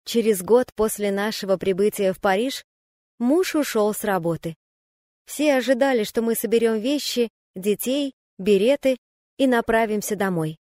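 A woman narrates an audiobook memoir in the first person, calm and reflective. Her voice sits at an ordinary middle pitch. The recording is dry and close, with no room sound. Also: normal speed, no echo. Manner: calm, even, reflective reading.

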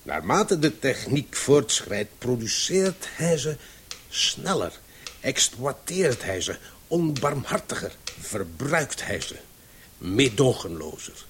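An actor playing a pedantic, self-assured amateur scientist in a radio play, lecturing with emphatic pauses. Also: male voice, mid-range voice, very animated, a bit bright, exaggerated voice. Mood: pompous, lecturing. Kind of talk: Dutch-language radio play acting. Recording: faintly hissy old radio recording.

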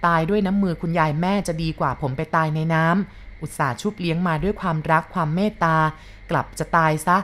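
Low-voiced woman reading a story aloud. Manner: calm, measured reading of a male first-person story. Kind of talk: first-person story narration.

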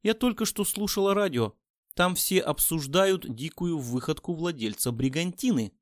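A man's voice: on the high side, animated, moderate pace, no room sound, clean studio sound, natural voice. A man voicing a smug female assistant. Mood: smug insistent. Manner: smug, insistent.

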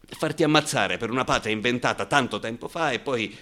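An actor playing a bitter, wounded gay man in a colloquial, impassioned radio monologue, halting, repeating words and asking sarcastic rhetorical questions. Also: medium pitch, bright, forceful tone, natural voice. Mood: angry, sarcastic. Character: bitter, wounded gay man denouncing macho military cruelty.

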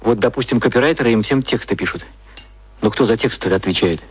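An actor playing a naive, unsettled male employee in a radio drama, asking halting, baffled questions. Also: mid-range voice, breathy edge, lightly acted. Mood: confused, probing.

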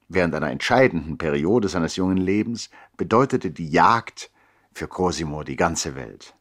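A man acting as narrator in a literary radio play, reflecting in a measured, articulate way on his brother's life. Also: deep voice, breathy edge, full character voice. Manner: measured, articulate, expressive storyteller.

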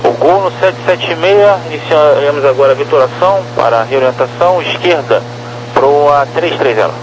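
A man's voice: a little high, normal speed, muffled recording. Noisy radio, Brazilian male air traffic controller. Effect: aviation radio. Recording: noisy humming aviation radio channel.

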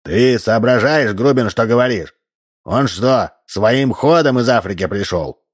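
A man reading an audiobook, voicing a pedantic old neighbour who lectures slowly. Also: mid-range voice, expressive, slightly rough. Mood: lecturing.

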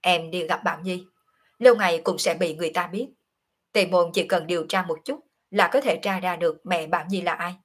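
A woman's voice: fairly low pitch, fairly even intonation, fairly quick, husky. A woman voicing a wry young man who reasons things out aloud, in an audiobook reading. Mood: reasoning.

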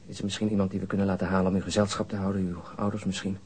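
An actor playing a sober, weary police detective in a radio crime drama, terse and subdued. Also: male voice, deep voice, flat delivery, very fast, darkish tone, a little hiss or hum, natural voice. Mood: gentle, grave. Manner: terse, matter-of-fact, subdued.

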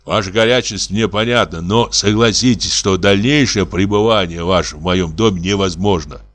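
A man's voice: low-pitched, normal speed, fairly bright tone, voice pushed down. A man voicing a stern, pompous old general who talks in a lofty, formal way. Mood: amused, lofty.

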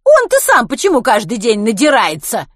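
A brash, indignant woman from an audiobook story, acted out by a female narrator. She exclaims loudly in a raised pitch that swoops widely. The sound is close and dry. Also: huge pitch swings, moderate pace, no echo, full character voice. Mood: indignant, shouting. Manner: loud, outraged exclaiming. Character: brash, foul-mouthed, indignant woman who shouts.

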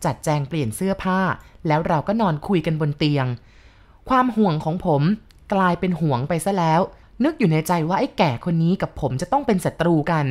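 A woman narrating a first-person ghost story in a steady, even reading voice. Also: fairly low pitch, fairly quick.

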